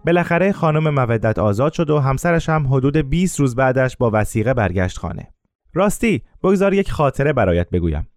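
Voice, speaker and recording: Man narrating a story, lively pitch. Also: no room sound, studio quality. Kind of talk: scripted first-person narration.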